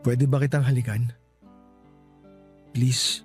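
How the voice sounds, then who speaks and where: A man's voice: mid-range voice, level tone, slow pace, close to an everyday voice. A man playing an attentive, insistent young lover in a Tagalog radio drama. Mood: tender. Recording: soft music bed underneath.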